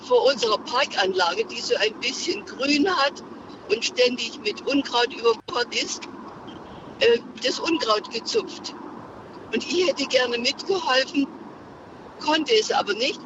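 An older woman calling a radio show from her car, telling a story earnestly with many hesitations. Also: on the high side. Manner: earnest, searching for words with many fillers. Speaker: caller. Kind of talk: phone-in storytelling. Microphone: phone. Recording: muffled phone line with car noise.

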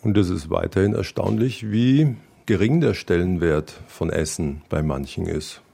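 A low, gravelly man interviews a guest for a radio talk show, recorded on location. His tone is dark and husky, and he asks wry, probing questions, with faint music beneath. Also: lively intonation, moderate pace. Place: on location by a lake.

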